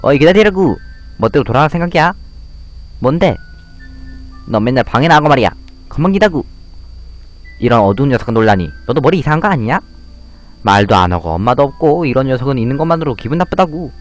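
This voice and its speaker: A man's voice: medium pitch, very animated, fast talker, pauses often, faint music behind, pitched above the performer's own voice, close to an everyday voice. A man voicing mean young schoolyard bullies with a sneering, jeering manner over a game. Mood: hostile.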